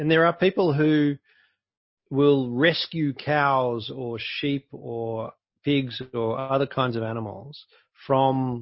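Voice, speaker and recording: Ordinary pitch variation marks this somewhat breathy man's voice. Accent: Australian. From Australia, Melbourne. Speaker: podcast co-host. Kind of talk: casual chat. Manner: hesitant, many fillers and repeats.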